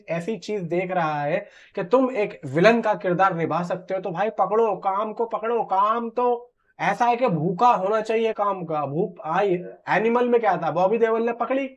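A man in his thirties with a high-pitched voice talks movies like a vlogger addressing viewers. His delivery is conversational and emphatic, doubling back on phrases to press a point. The sound is a little dull, recorded on a lapel mic in a room at home. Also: normal speed. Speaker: film news vlogger. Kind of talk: informal film commentary to camera. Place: small room at home, indoors. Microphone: clip-on lapel mic. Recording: slightly dull, muffled sound.

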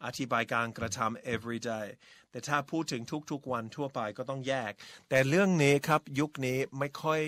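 A man co-hosting a radio English lesson, speaking slowly and patiently as he models pronunciation. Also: medium pitch, fairly bright tone, no echo. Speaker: English teacher co-host.

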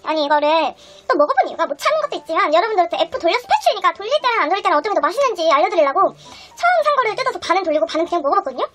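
Young woman, mukbang vlogger, very high voice, fast talker, tasting hums between bites, music bed and restaurant crowd behind. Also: big pitch swings, a bit bright. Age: young adult. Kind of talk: casual chat while eating on camera. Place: small indoor room, then a busy restaurant. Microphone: camera on the table in front of her. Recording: background music and restaurant chatter.

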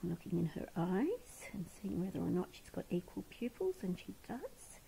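A woman with a mellow, gravelly voice speaks gently to a rescued animal in her kitchen, often slipping into a whisper. She talks as she feeds it, filmed on a head-mounted camera. A faint hiss sits under the recording. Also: on the low side, big pitch swings, normal speed, rough recording. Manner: soft, coaxing, often whispering. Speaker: bat rescuer and carer. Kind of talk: gentle commentary while feeding an animal. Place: home kitchen, indoors.

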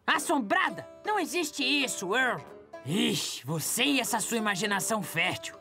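Bossy little Brazilian cartoon repairman, lively. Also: fairly high pitch, moderate pace, vocal fry, full character voice. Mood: exasperated, skeptical. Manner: exasperated, dismissive. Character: bossy, skeptical little male berry-creature repairman. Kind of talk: animated cartoon dub. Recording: music behind the voice.

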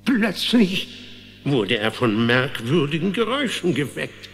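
A jolly old male woodworm spinning tales for a children's audio play. The delivery is slow and theatrical, with huge swoops in pitch and a rambling, tippling air. It rings in a long hall reverb. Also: sing-song, fairly bright tone, faint music behind, full character voice. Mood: eager storytelling. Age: older.

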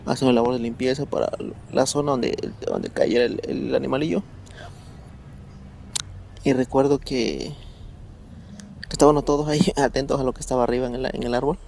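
Gravelly man recounting a story. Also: mid-range voice, darkish tone, a little hiss or hum. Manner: halting, repeats words while recalling. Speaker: guest storyteller. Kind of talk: casual spoken storytelling.

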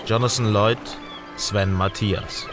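A man's voice: lowish voice, steady tone, takes it slowly, music in the background. A man announcing scripted cast credits for an audio drama, name by name.

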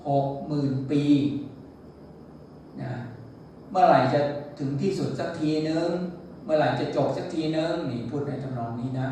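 A man's voice: darkish tone, slight background noise. Man, monk, preaching sermon, echoing room. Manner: storytelling, quotes figures with shifts in pitch. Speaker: Buddhist monk. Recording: echoey hall, mic far off.

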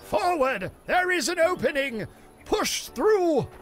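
Flamboyant game knight, camp, theatrical, very high voice, swoops up and down. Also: male voice, very animated, takes it slowly, full character voice. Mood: rallying. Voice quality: high, theatrical mock-Elizabethan delivery. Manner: camp, preening, full of double meanings. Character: flamboyant, innuendo-prone medieval male knight, theatrical. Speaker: voice actor. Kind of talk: video game voice lines.

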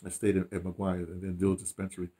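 Speaking quickly in a low, monotone, dark-toned voice, this man, an American audio dramatist aged sixty or more, reflects casually during an interview at home. The talk is rambling storytelling full of emphasis, false starts and repetition, recorded indoors in a small room.

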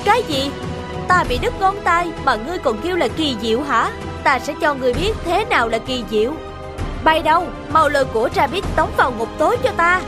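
A woman's voice: high-pitched, expressive, a little fast. A woman voicing a proud, hot-tempered middle-aged male tribal chief in a dramatic cartoon folk tale. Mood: furious. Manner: imperious, dramatic. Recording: studio voice over background music.

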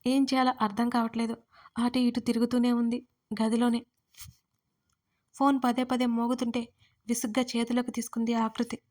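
Even-toned woman narrating a story. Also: a little high, moderate pace, long pauses. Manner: steady, even reading.

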